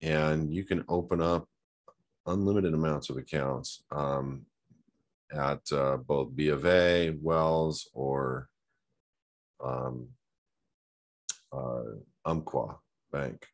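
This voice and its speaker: Casting note: male host, extremely low voice, relaxed off-the-cuff advice, lots of ums and restarts. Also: slow pace, long pauses. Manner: loose and conversational, many fillers and restarts. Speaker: host answering a viewer question. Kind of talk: casual advice talk, reading a question aloud then answering.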